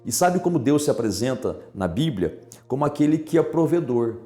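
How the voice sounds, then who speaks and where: A man's voice: medium pitch, big pitch swings, normal speed. A man preaching a sermon as a pastor, speaking straight to his listeners and asking them questions. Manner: asks listeners direct questions. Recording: echoey room with soft music. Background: soft music.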